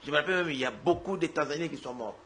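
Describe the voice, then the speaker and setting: A man holds forth in a political TV studio debate, his slow and deliberate. He hesitates and stumbles while reaching for names. Faint background noise sits under the broadcast clip. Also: on the high side, a bit bright.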